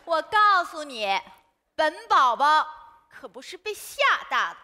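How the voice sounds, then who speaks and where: A bright, sassy youngest sister. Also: female voice, high-pitched, sing-song, a little slow, full character voice. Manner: sassy, feisty, cutesy bravado. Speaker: youngest daughter. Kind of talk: sitcom acting before a live audience. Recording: roomy stage with audience laughter.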